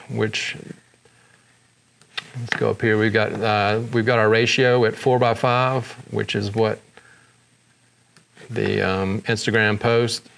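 A man with a fairly low voice narrates a screen-recorded editing tutorial. He moves step by step in an easygoing way, dropping in fillers as he goes. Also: gravelly. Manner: relaxed step-by-step explaining with fillers. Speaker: photography tutorial host.

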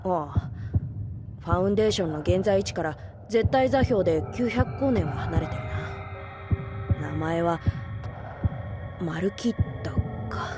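An actress playing a brash, tough-talking boyish young male leader in an audio drama, speaking bluntly and roughly. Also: lowish voice, lively intonation, measured pace, long pauses. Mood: disgusted, bitter. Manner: blunt, rough masculine speech. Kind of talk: Japanese audio drama acting. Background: background music.

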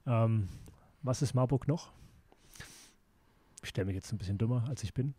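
A man's voice: medium pitch, normal speed, mellow, breathy edge, dry recording. A man hosting a casual interview, speaking appreciatively and often in short fragments. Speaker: podcast host, interviewer.

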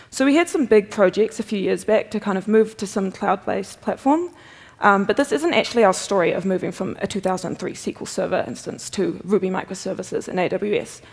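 Young kiwi woman talking tech at a podium, bit of vocal fry, quick and jokey, hall reverb. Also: medium pitch, darkish tone. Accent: New Zealand. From New Zealand. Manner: quick, chatty, self-deprecating humor. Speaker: conference speaker, software developer. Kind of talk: technical conference talk. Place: large conference hall, at a podium. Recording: long reverb of a big hall.

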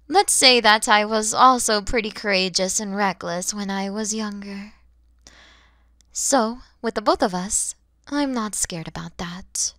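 A woman voicing a kind, motherly mature dragon in an ASMR roleplay, speaking softly and breathily with tender, soothing warmth. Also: medium pitch, no echo, clean studio sound. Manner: soft, breathy, soothing, often near-whispered.

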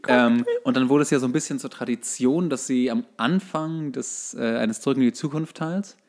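A young man co-hosting a podcast in casual banter, halting and often correcting himself. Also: mid-range voice, darkish tone. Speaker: podcast co-host. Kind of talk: casual banter between friends.

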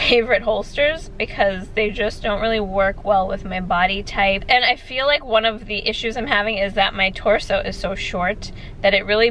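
A woman's voice: mid-range voice, fairly bright tone, a little hiss or hum, rough recording. Chatty woman vlogging from her car. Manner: chatty, laughs between words. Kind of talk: casual vlog talk to camera. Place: inside a parked car. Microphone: phone camera at arm's length.

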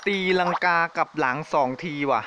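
An excitable man talks through a ghost-shooting game, joking and exclaiming between shots. His voice sits somewhat high, and loud game gunfire and effects play clearly under his commentary. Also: normal speed, heavy background noise. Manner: excitable, jokey, exclaims often. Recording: game sounds and gunfire behind.

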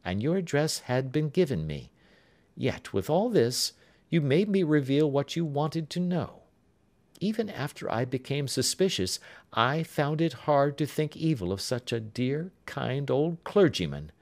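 A man reading aloud as a clever, composed young actress, poised and gently mocking. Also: on the high side, very animated, unhurried, pitched above the performer's own voice. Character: clever, composed young woman, an actress writing a farewell letter.

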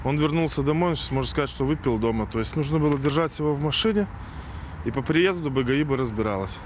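A young man answers a reporter on the street, his words tumbling out quickly at a slightly raised pitch. He sounds indignant, with faint traffic behind him. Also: expressive. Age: young adult. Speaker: passer-by. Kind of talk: street interview. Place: outdoors on a street. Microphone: handheld reporter mic.

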